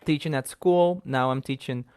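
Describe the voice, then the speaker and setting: A Guatemalan man in his twenties talks casually as a guest, upbeat and fluent, with a light Spanish accent. His voice is smooth and clear at a middle pitch. The sound is dry and close, with no room around it. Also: normal speed, darkish tone, dry recording. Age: 20s. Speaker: English teacher, guest. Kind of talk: casual live-stream chat.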